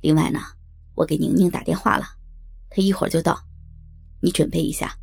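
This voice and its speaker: A brisk, commanding male boss, as a woman narrator puts him on in an audio story. He speaks very low with a gravelly, husky edge. He gives clipped, quick orders. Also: fairly even intonation, darkish tone, faint music behind, full character voice.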